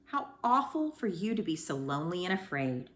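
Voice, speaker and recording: A woman reads as a kind male schoolteacher from a children's storybook. The delivery is gentle and reassuring, with a highly animated melody that swings up and down to encourage a young pupil. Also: moderate pace. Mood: tender encouragement.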